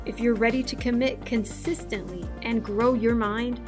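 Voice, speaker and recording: A woman's voice: fairly high pitch, fairly even intonation, moderate pace. A woman reading a scripted promo introduction for a podcast in a polished announcer delivery. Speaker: show announcer. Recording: voice over music.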